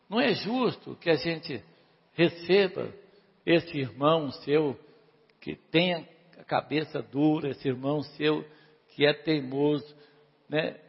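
A man preaches with a high, husky and gravelly voice, animatedly retelling a parable and firing questions at his listeners. The sound is muffled and rings with a long hall echo. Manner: animated, asks the congregation questions, urges them to answer louder.

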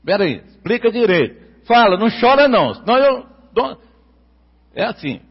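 A Brazilian man with a Brazilian Portuguese accent preaches an emphatic sermon, repeating key words and stretching them out slowly. His high voice is very animated, creaky, and breathy at the edges. The recording is muffled and lo-fi, with a long hall reverb.

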